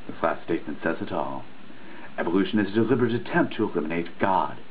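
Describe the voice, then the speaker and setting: Deep-voiced man reading dramatically, phone-like sound. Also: animated, quick pace. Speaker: reader, host of a reading series. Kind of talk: dramatic reading of a written text. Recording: muffled phone-like sound, faint noise.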